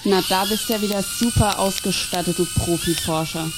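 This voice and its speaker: A woman's voice: medium pitch, huge pitch swings, moderate pace. A woman performing colloquial, scripted dialogue in an audio play. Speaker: podcast host acting in a short audio play. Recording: noisy binaural campfire scene.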